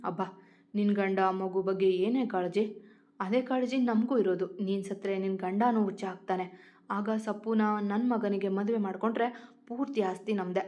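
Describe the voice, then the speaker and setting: A woman's voice: mid-range voice, fairly even intonation, moderate pace, a little mellow, close to an everyday voice. Taunting villainous aunt, read by a woman. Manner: taunting, mocking. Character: cruel scheming older aunt, villainous. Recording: dull lo-fi recording.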